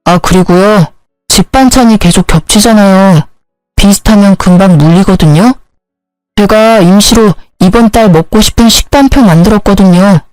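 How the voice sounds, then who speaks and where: A woman's voice: mid-range voice, moderate pace, a little mellow, dry recording, soft background music, close to an everyday voice, low-quality recording. Storybook husband, petty and bossy, barking orders in a dry, close voice, as a woman reads him. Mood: demanding. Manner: curt, demanding, scolding. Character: rude entitled young husband, bossy and petty.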